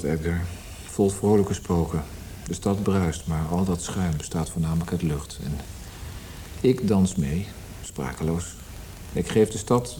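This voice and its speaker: A male actor plays a brooding poet in a radio drama, evasive and subdued. His low, dark voice moves hesitantly, with pauses, over a faintly hissy old recording. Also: close to an everyday voice. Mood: sombre, brooding. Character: sombre, evasive male Viennese poet visiting his dying friend. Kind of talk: radio play acting.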